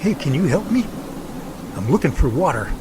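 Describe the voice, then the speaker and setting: A man's voice: fairly high pitch, sing-song, moderate pace, background noise. A man playing an earnest, anxious twenty-seven-year-old survey worker in an amateur radio drama. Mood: bewildered.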